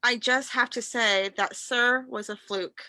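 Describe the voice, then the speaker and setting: A woman playing an arrogant, scornful wrestling prince in a staged promo reading, taunting haughtily and haltingly. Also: a little high, fairly even intonation, sharp tone, dry recording. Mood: smug, mocking.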